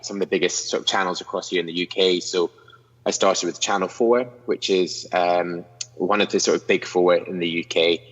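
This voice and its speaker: This podcast guest is a young man from Scotland's northeast, near Inverness, joining a casual interview by video call from his own studio. His deep voice has a fairly bright tone, and he pokes fun at himself and keeps restarting. The lo-fi recording carries a long reverb tail.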